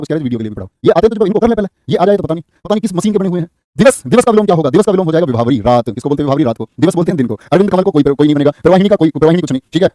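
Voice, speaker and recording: Rapid-fire Hindi teacher, brisk and teasing. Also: male voice, on the high side, dark tone, no room sound, clean studio sound. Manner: brisk, drilling questions, teasing students. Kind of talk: online exam-prep class.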